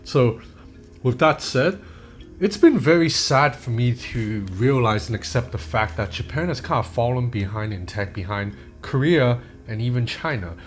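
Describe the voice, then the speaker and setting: A man in his thirties reviews a phone in a loose, candid vlog style and swears casually. His voice sits at a middling pitch for a man. He talks like he is chatting with a friend. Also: animated, moderate pace, soft background music. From Hong Kong. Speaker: tech reviewer.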